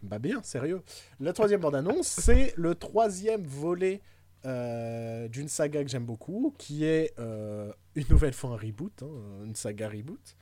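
A man's voice: medium pitch, lively intonation, measured pace, mellow. A man co-hosting a podcast, chatting casually about films in a rambling, hesitant way with frequent fillers and jokes. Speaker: podcast co-host. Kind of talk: casual film chat.

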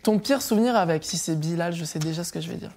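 A young woman chatting as an interview guest, animated and quick to laugh as she acts out the people in her stories. Her voice sits a little low for a woman, and faint music plays underneath. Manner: animated storyteller, laughs often, acts out quotes. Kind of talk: casual interview chat.

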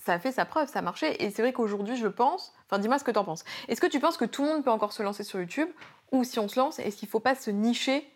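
Woman interviewer, chatty, a bit high-pitched. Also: expressive, fast. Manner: chatty, asks long questions. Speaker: interviewer host. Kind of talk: casual interview talk.

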